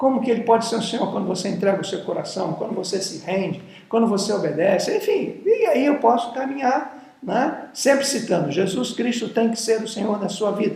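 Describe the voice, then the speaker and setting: A man speaks at a moderate pace, high in pitch, with ordinary pitch variation. Room echo can be heard. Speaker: bishop teaching homiletics. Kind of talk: lecture.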